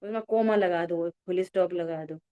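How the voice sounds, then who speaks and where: A woman teaching a religious discourse in an expressive voice, often exclaiming and checking whether her listeners follow. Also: lowish voice, moderate pace, clear, resonant tone, highs cut off. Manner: keeps asking listeners if they follow; expressive, exclaims and acts out little dialogues. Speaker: spiritual teacher.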